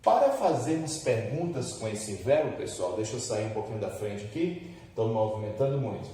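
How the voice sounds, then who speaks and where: In a classroom, a Brazilian man teaches an English lesson at the board, patiently walking students through each step and frequently checking that they're keeping up. His voice is lowish, warm and very animated at a normal speed, with a Brazilian Portuguese accent. The room echoes, he sounds distant, and there's a slight hiss or hum.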